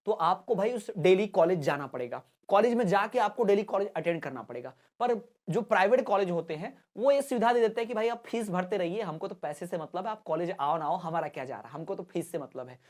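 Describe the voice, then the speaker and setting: A man from Madhya Pradesh hosting an education channel, explaining in a chatty, casual way and often checking in with his listeners. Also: high voice. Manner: chatty, keeps checking in with listeners and addressing them as brother.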